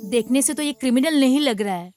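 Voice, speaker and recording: A woman dubbing a middle-aged mother in a film, shrill and scolding. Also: animated, fast talker, darkish tone, soft background music. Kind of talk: Hindi film dub. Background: film score.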